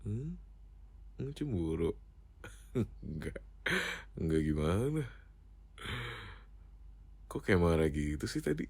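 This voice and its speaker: A young man with an Indonesian accent speaks in a whispered role-play as a teasing husband, playful and quick to laugh. His pitch swings widely while his delivery stays slow and unhurried. The sound is dry and close, with no room around it. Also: darkish tone, husky, no room sound. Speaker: ASMR roleplay host.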